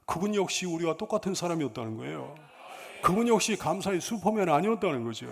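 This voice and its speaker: A man's voice: sits high, vocal fry. A middle-aged male pastor delivering a Sunday sermon, asking the congregation rhetorical questions and acting out quoted prayers and complaints.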